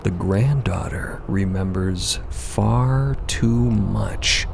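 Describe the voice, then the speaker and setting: A man narrates a scripted audio drama in a low, creaky voice. Clear ambient noise sits behind the storytelling. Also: drawn-out words, a little mellow. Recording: noticeably noisy ambient bed behind voice.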